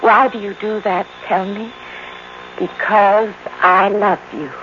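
An actress playing a possessive, unstable housewife with an intense, deliberate, commanding delivery in a 1950s radio drama. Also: female voice, mid-range voice, steady tone, close to an everyday voice. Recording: dull noisy old radio recording.

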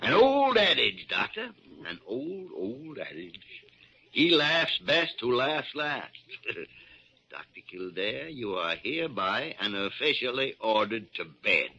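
An actor playing a crusty, teasing older hospital doctor with a gravelly, drawling, grumbling voice in vintage radio drama style. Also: male voice, medium pitch, very animated, takes it slowly, pushed and bright, full character voice. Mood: gloating. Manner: drawling, grumbling, repeats himself. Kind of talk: 1940s-50s radio drama acting. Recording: muffled vintage radio recording.

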